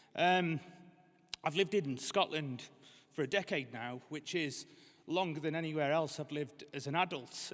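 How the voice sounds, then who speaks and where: A man speaks with a North Staffordshire accent at a moderate pace. His pitch is fairly high, with ordinary variation. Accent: North Staffordshire twang. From northern England, North Staffordshire. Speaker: poet, award winner. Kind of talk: acceptance speech. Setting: stage with audience at awards ceremony. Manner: halting, many fillers and repetitions.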